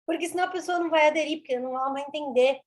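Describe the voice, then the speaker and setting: A woman, a speech therapist explaining her work in an interview, animated and repeating words for emphasis. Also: high voice, very fast. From Brazil.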